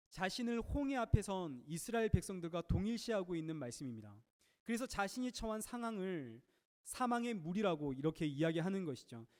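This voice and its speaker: A man preaching a sermon from the pulpit, his voice pitched notably high for a man. He talks earnestly and breaks into dramatic readings of the people he quotes. The church sanctuary gives every phrase a long, ringing reverb. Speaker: pastor.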